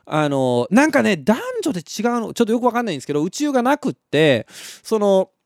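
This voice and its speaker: A young man with a Kansai accent, hosting a live radio show and telling stories in a casual, animated way. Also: high-pitched, quick pace, gravelly, no room sound, studio quality. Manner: animated storytelling, laughs at his own story.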